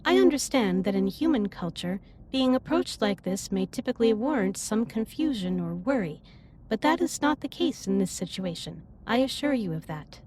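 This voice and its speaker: A woman playing a caring, earnest alien starship captain in a sci-fi roleplay audio drama, speaking in formal, precise, measured sentences. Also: mid-range voice, lively intonation, darkish tone, slight background noise, natural voice. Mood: reassuring, earnest. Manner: formal, precise, stilted wording with measured delivery. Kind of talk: scripted roleplay audio drama, intimate one-sided dialogue.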